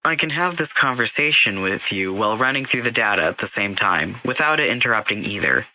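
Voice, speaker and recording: A man voicing a dry, unflappable female AI assistant in an audio story, soft and matter-of-fact. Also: fairly low pitch, lively intonation, brisk, dry recording, rough recording.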